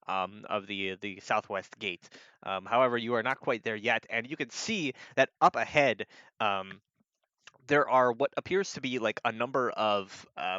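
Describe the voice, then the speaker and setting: Male game master, bright, clear voice, rambling narration, dull lo-fi stream audio. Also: on the low side, no room sound. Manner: rambling, filler-heavy narration.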